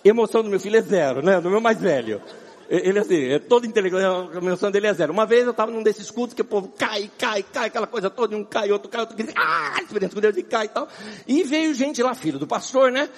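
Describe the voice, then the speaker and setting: A man with a Brazilian accent preaching a humorous sermon as a guest preacher, telling animated stories with a husky voice and sweating as he talks. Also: high voice, quick pace. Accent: Brazilian Portuguese. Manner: animated, laughing storyteller. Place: large round church. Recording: long church hall reverb.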